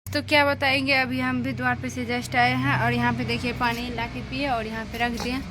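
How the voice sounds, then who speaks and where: A woman's voice: a little high, flat delivery, brisk, background noise. A woman vlogging casually from a rural farmyard, chatting to her viewers as friends. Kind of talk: casual vlog narration.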